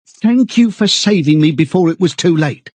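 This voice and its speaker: A man acting a high, servile, stammering loyalist chap. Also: lively intonation, normal speed, darkish tone, breathy edge, dry recording. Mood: sanctimonious, eager. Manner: stammering, chummy old-fashioned British chap talk, sententious. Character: servile, frightened, eagerly pleading middle-aged party loyalist man.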